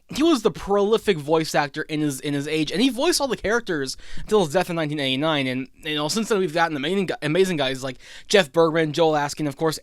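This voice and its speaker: A man's voice: fairly high pitch, dry recording, studio quality. A man from the Caribbean hosting a casual animation commentary, chatty and rambling. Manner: chatty, rambling, laughs often. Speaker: host.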